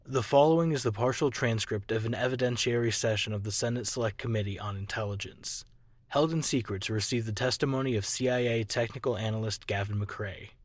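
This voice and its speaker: A man's voice: mid-range voice, a little fast, no room sound, lightly acted. A man giving formal scripted narration in a documentary tone.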